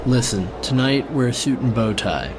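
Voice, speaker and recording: An actor playing a cool, controlling, quietly threatening criminal in a radio drama. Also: male voice, medium pitch, animated, normal speed, noisy background, lightly acted. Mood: businesslike.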